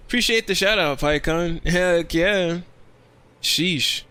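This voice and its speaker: Male game streamer: casual, rambling livestream chat, bright and lively tone. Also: high voice, slow, clean tone. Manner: chatty and easygoing, rambling asides.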